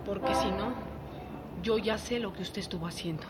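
An actress playing a suspicious young domestic worker in a radio drama, with a blunt, accusing manner. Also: female voice, medium pitch, moderate pace, noisy background, close to an everyday voice. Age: young adult. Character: young live-in maid, suspicious and defiant.

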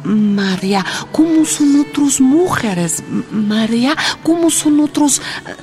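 Slow, weary migrant's wife. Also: female voice, high voice, animated, warm tone, soft background music, full character voice. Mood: animated recounting. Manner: halting, fragmented, telegraphic phrases with hesitant murmurs. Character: weary, lonely Mennonite wife speaking halting broken Spanish. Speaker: actress in a radio play. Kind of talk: dramatic radio theatre monologue.

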